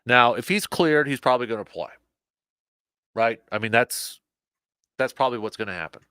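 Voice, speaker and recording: A man hosting a casual sports talk show, a little hoarse, animated, often repeating and restarting his words. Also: mid-range voice, moderate pace, dry recording. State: slightly hoarse, losing his voice.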